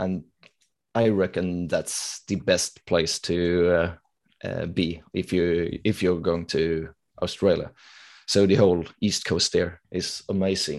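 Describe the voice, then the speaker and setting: In a Swedish accent, a man speaks very slowly, his voice very deep and low with fairly even intonation. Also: quiet background. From Sweden. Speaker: strength coach. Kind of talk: casual interview. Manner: halting, many fillers.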